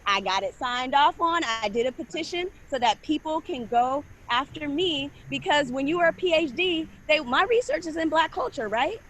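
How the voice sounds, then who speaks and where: A woman's voice: high voice, expressive, moderate pace, few pauses, fairly bright tone, a little hiss or hum, low-quality recording. A woman on a dance panel, talking casually and with animation, laughing as she addresses the others as y'all. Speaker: panelist, scholar and street dancer.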